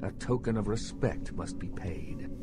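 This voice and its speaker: An actor playing a middle-aged vampire baron in a video game, measured, businesslike and self-assured. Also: male voice, fairly low pitch, close to an everyday voice. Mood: measured, authoritative. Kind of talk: video game dialogue acting. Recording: game audio with loud music behind.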